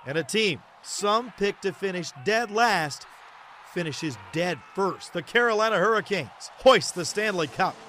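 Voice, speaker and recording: High, forceful male hockey commentator, archive clip. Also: animated, measured pace. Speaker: hockey play-by-play announcer. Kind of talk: shouted sports commentary. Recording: archive broadcast clip with faint noise.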